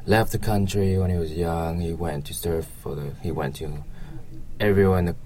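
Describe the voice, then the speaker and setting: A young man from Vietnam, a native Vietnamese speaker with a Vietnamese accent, answering casually in a halting, rambling way with lots of filler phrases. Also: deep voice, fairly even intonation, dark tone, slight background noise. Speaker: interviewee.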